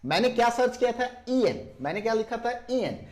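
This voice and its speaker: A man teaching a computer tutorial. He explains each step, slows down to spell out definitions and asks viewers whether they are following. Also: very high voice, sing-song. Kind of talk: screen-recorded software lesson.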